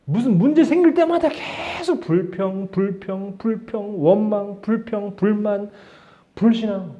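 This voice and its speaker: Pastor guy preaching in church, chatty and animated, acts out quotes, warm mellow voice, kinda muffled recording. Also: high voice, a little slow. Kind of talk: sermon. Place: church sanctuary.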